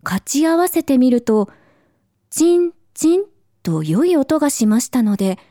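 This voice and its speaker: A woman narrating a children's storybook in a gentle, measured way. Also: high-pitched, sing-song, dry recording, clean studio sound. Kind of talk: storybook reading.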